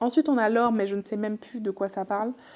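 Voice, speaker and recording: Dark and mellow in tone, a woman's fairly high-pitched voice keeps fairly even intonation. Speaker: book YouTuber. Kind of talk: casual video monologue. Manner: casual, hesitant with many fillers.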